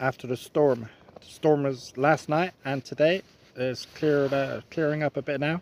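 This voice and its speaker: The sound of a man's voice is dry, with no echo. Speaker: wild camper vlogger. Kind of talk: casual vlog chat. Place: tent. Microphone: phone near.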